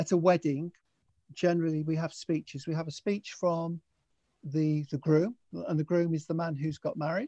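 Against a quiet background, a man with a British accent speaks at a fairly high pitch in a dark, mellow tone, the sound dry with no echo. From UK. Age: 60s. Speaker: public speaking coach. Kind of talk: lecture. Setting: video call. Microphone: video call.

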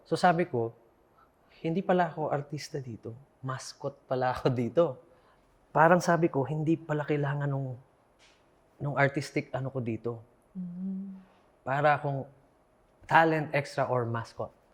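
Somewhat breathy, a man speaks at a moderate pace in a fairly high pitch, with ordinary pitch variation and long, frequent pauses. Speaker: actor and fight director. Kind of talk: testimony.

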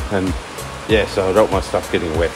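Clear music plays in the background as a man talks. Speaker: pool visitor vlogger. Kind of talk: casual vlog chat. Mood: relaxed, chatty. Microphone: phone near.

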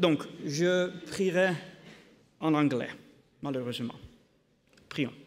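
A man's fairly high voice at a very slow pace, with ordinary pitch variation, long and frequent pauses, and light background noise. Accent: Dutch. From Belgium (Flemish). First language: Dutch (speaking French). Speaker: church leader. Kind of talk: brief greeting. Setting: church service. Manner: halting. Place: church. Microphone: podium.

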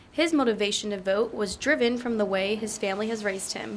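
Very fast and fairly high-pitched, a woman talks with ordinary pitch variation amid noticeable background noise. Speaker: TV news reporter and anchor. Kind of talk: TV news package voice-over.

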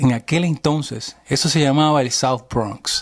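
At a fairly slow pace, a man talks with a fairly high pitch. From New York, US. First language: English (speaking Spanish). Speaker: radio host. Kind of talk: radio talk monologue.

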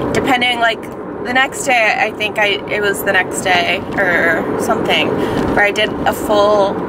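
Loud background noise surrounds a woman who speaks at a fairly slow pace with ordinary pitch variation, the sound dry with no echo. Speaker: vlogger. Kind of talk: casual vlog chat. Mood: concerned, animated. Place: car. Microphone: phone near.

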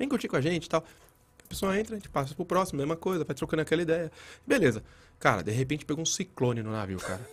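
The speech comes at a very fast pace with vocal fry and very wide pitch swings. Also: man, fairly high pitch for a man. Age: 40s. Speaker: podcast guest. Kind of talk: interview storytelling. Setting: studio. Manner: animated. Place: studio. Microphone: studio mic.

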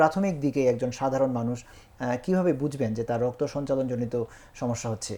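With ordinary pitch variation, a man speaks at a medium pitch in a dark, mellow tone. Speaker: TV health show host, doctor. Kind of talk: live TV health talk show hosting. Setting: studio. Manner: formal.

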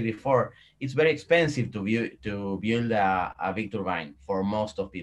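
A man talks in an Argentine accent at a fairly slow pace. His pitch swings very widely. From Argentina. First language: Spanish. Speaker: high school technical teacher. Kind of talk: online conference presentation. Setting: video call. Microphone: video call.

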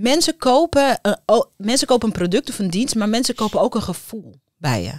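A woman talks with lively intonation, vocal fry and hardly any pauses. The sound is dry with no echo, and the background is quiet. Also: fairly high pitch for a woman, moderate pace. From Netherlands. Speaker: entrepreneur and former TV presenter; TV presenter. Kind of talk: podcast interview. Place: studio. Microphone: studio mic.

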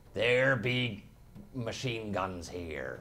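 This is a put-on character voice from a man at a medium pitch. Clear background noise runs under it. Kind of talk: gameplay commentary.

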